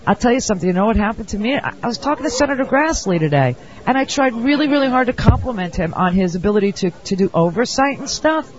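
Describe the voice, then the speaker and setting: A radio talk show host talking casually and rambling, with many restarts. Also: male voice, sits high, a crowd in the background. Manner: quick, animated, rambling with restarts. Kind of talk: casual phone conversation at a convention. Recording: dull lo-fi radio audio.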